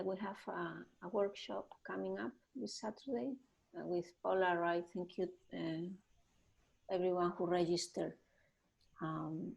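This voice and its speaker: Husky woman speaking softly. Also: lowish voice. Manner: speaking softly to keep quiet. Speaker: announcer of events.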